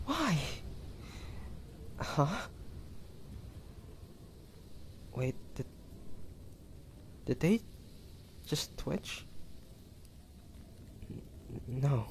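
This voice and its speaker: A man playing a tender, devoted hunter turned immortal in an intimate audio roleplay, speaking haltingly and emotionally to a lover. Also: fairly high pitch, expressive, a little hiss or hum, heavily acted. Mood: grieving, guilty. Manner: halting, emotional, breathy sighs and whispers.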